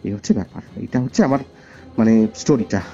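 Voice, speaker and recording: A man's voice: fairly low pitch, fast, mellow. A man with a West Bengal Bengali accent telling a personal story conversationally as a caller, earnestly repeating phrases for emphasis. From West Bengal, India. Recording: dull lo-fi call recording over music. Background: music.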